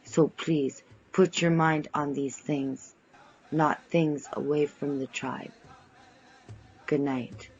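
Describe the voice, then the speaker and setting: A man acting a solemn, slow, watchful warrior. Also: a little high, steady tone, dull audio, a little hiss or hum. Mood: firm, paternal. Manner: solemn, commanding, formal. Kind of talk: audio drama dialogue.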